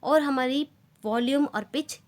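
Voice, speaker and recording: A woman teacher giving a classroom lecture, explaining points and reading out definitions slowly. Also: sits high. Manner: explains in Hindi, reads English definitions slowly and deliberately.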